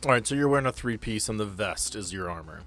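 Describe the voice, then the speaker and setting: Low-voiced man running a tabletop game. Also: animated, quick pace, a bit bright, faint music behind. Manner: profane, joking, explanatory. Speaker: game master and podcast host. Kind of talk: tabletop role-playing game narration and casual banter.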